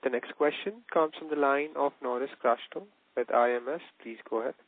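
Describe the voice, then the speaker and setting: A man's voice: mid-range voice, fairly quick, no room sound. A man working as a conference call operator, making scripted announcements to participants. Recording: dry, narrow phone line.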